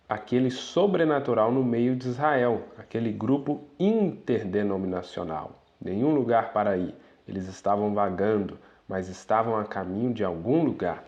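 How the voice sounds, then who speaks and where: A man's voice: medium pitch, a little mellow, lo-fi sound. A man preaching a sermon, reading quoted passages aloud and breaking in with asides to the brethren.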